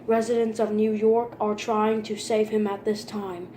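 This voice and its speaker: A woman delivers a formal emergency broadcast announcement. Her voice is dark and mellow, with very little movement in pitch and an impersonal delivery. The recording has a roomy echo. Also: level tone, a little slow. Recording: roomy echo with faint background noise.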